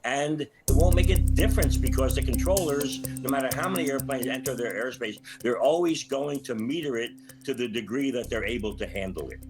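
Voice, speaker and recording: A man's voice: medium pitch, fairly quick, few pauses, over loud music. An older man giving expert commentary as a guest in a live news interview. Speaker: retired air traffic controller, interview guest.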